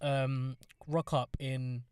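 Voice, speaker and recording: A young man co-hosting a podcast in animated, jokey banter. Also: medium pitch, drawn-out words, smooth, no echo, studio quality. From England. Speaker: podcast co-host. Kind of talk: casual chat. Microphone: podcast mic, close.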